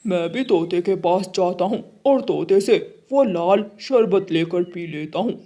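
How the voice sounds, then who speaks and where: A man's voice: sits high, a little slow, mellow. A man voicing Kalu, a boastful crow. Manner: boastful, then wailing in panic.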